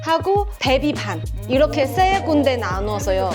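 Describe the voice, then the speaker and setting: High-pitched animated woman. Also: unhurried, over music. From China. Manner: animated, chatty. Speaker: talk show host, former idol trainee. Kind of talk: casual chat, storytelling.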